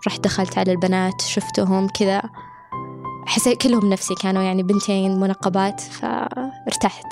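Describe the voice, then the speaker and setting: A young woman in her twenties tells her own story quickly and casually, hesitating often and restarting her sentences. Music plays clearly behind her voice. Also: medium pitch, fairly even intonation. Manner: hesitant, many fillers and restarts. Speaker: interviewee. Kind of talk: casual recounting.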